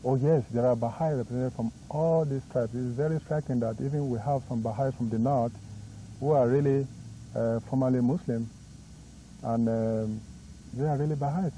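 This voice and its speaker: A man from Nigeria with a Nigerian accent, Isoko his first language, speaking as a guest in earnest, halting conversation. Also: mid-range voice, fairly even intonation, warm tone, poor audio. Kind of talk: casual conversation. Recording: 1980s cable TV studio tape, faint noise.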